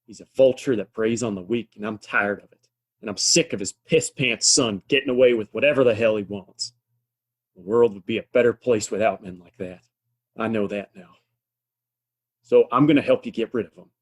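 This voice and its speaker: A man acts out a resolute, world-weary saloon keeper in a Western radio-style play. The voice sits fairly low, and the delivery is gruff, blunt and emphatic. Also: normal speed. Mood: defiant, resolved. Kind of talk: Western audio drama acting.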